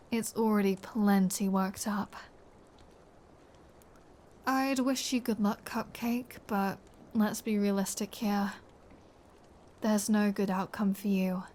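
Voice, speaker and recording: A woman's voice: mid-range voice, darkish tone, lightly acted. A woman playing a flirty, playful vampire with a threatening edge, in a teasing, sardonic ASMR audio roleplay. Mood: wry, menacing. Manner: teasing, sardonic, lingering delivery. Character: flirty, playful, threatening adult female vampire toying with a hunter. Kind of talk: scripted ASMR audio roleplay, one-sided conversation.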